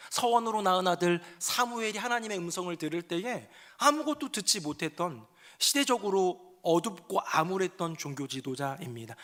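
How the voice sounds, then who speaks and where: A man preaching a sermon as pastor, swinging between soft, low musings and loud, emotive passages as he acts out people's prayers.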